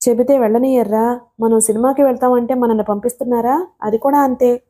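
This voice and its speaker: A woman's voice: on the high side, fairly even intonation, fast talker, mellow, close to an everyday voice. Know-it-all schoolboy, read by a woman, storybook, knowing, explaining.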